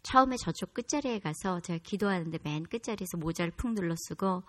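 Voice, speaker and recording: Candid woman in her fifties giving testimony. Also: a little fast. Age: 50s. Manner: candid, self-deprecating storytelling with laughs; calm low delivery. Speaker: comedian giving a church testimony. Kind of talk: personal testimony to a congregation.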